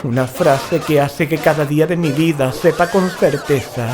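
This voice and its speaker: An actor playing a haunted investigator, narrating an audio horror drama in grave, literary, deliberate phrasing. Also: male voice, on the high side, background noise, close to an everyday voice. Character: haunted male investigator recounting his horror.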